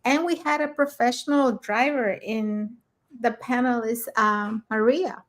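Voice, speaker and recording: A woman's voice: a little high, fairly even intonation. Cheerful woman co-host from Mexico. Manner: cheerful, brisk, rattles off names. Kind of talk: online talk show.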